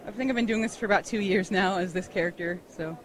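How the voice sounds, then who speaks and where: A woman's voice: mid-range voice, quick pace. A young woman student in cosplay, cheerful and chatty, talking into a handheld mic in a convention hall. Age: young adult. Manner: cheerful, chatty, laughs at her own lines. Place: busy indoor convention hall. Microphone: handheld mic held by interviewer.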